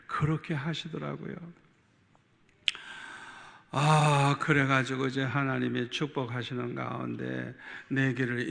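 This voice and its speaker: A man's voice: fairly high pitch, gravelly, pushed and bright. A middle-aged man, a pastor, telling his testimony in an emphatic sermon and repeating words for stress. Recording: long hall reverb.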